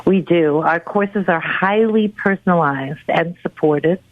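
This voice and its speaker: A woman's voice: on the low side, unhurried, no room sound. A woman giving polished, formal promotional answers as a college representative, speaking over a remote call. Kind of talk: informational interview answers. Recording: very narrow phone-like line.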